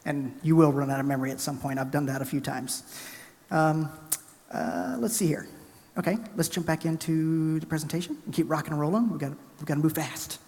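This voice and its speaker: Tech speaker, male, from the US South: quick, chatty, a bit high-pitched, reverb from the conference hall. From Alabama, US South. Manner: fast, energetic, chatty presenter narrating his screen. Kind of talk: live tech conference talk with coding demo.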